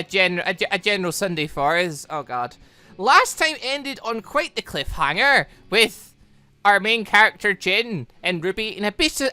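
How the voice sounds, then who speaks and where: A man's voice: high voice, bright, forceful tone. A man giving casual, rambling, exclamatory let's play commentary as a gaming host.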